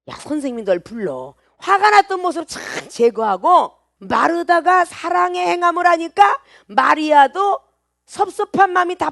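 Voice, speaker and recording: High gravelly woman preaching a Bible lecture. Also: no room sound, studio quality. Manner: animated, acts out dialogue, asks the class questions. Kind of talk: sermon-style Bible lecture.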